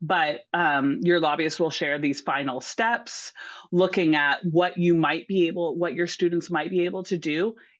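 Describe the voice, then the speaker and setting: At a fairly slow pace, an unremarkable speaking voice talks with ordinary pitch variation. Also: woman. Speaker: civics education lead running a teacher onboarding. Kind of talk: online presentation to teachers. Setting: video call.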